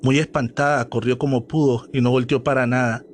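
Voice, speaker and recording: A male storyteller reads a scripted horror tale with dramatic delivery. His voice sits at a middle pitch. A faint hiss runs underneath. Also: steady tone, fairly quick. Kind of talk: scripted narration.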